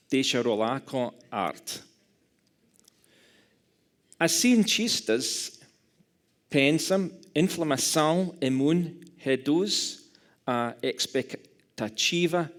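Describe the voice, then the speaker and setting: Slow, careful Scottish man lecturing. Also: on the high side. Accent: Scottish English speaker speaking Portuguese. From Scotland. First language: English. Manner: careful, halting delivery with self-corrections. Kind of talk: academic lecture in a second language.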